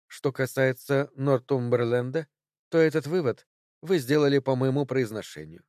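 Brief: poised, clever young woman, calm and measured, low mellow voice, dry sound, read by a male narrator. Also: dry recording, lightly acted. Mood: composed. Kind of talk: audiobook character voice.

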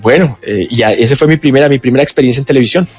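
A man from Colombia, an actor in his forties, chatting in a relaxed way on a radio interview, with many restarts. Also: mid-range voice, racing, husky, soft background music. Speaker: guest actor. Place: radio studio.

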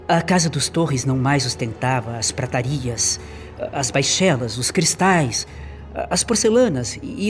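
Radio drama role: male actor as grave, deliberate spirit attendant, middle register, soft music behind. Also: mid-range voice, lightly acted. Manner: grave, deliberate, repeats words for emphasis. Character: grave, compassionate male spirit nurse recounting tragedy. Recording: music under the voice.

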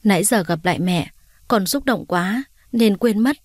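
A woman's voice: mid-range voice, lively intonation, measured pace, dry recording, studio quality. A woman voicing a young woman who comes home after years away, speaking emotionally and pleadingly. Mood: tearful. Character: young woman returning home, tearful and remorseful.

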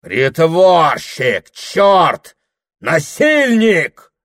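A man voicing a huge, drunken, furious deacon who bellows long, drawn-out threats. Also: fairly low pitch, animated, fairly bright tone. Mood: threatening.

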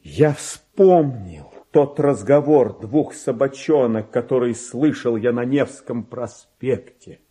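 An actor playing an excitable, self-important, paranoid petty clerk in a theatrical radio monologue, with a husky voice and volatile delivery that swings between confiding and outbursts. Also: male voice, mid-range voice, slow, hardly any pauses. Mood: excited scheming. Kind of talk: dramatic monologue reading in a radio play.

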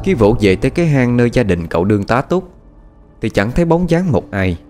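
A man narrating a dramatic story in an expressive, measured voice. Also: mid-range voice. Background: faint background music.

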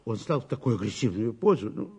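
Flustered, husky male eyewitness. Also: medium pitch. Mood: excited, indignant. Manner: halting, stammering, repeats himself, excitable. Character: flustered, talkative male eyewitness, eager and indignant. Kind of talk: audio drama acting.

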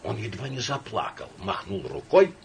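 A man narrating classic fiction as an audiobook in an expressive, varied storytelling manner. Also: mid-range voice, normal speed, gravelly, a little hiss or hum.

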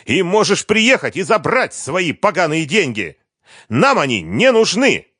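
A man's voice: high-pitched, very animated, a little slow, bright, forceful tone, slightly rough, no room sound, clean studio sound, pitched above the performer's own voice, heavily acted. A male audiobook reader voicing a furious, grasping ex-wife who screams accusations. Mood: screaming fury. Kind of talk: audiobook character voice.

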